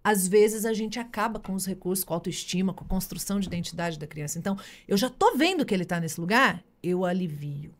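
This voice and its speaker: A woman's voice: fairly low pitch, expressive, brisk, hardly any pauses. A woman co-hosting a podcast, explaining parenting ideas in a reflective, casual way, often tagging her sentences with "né?". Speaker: podcast co-host, parenting educator.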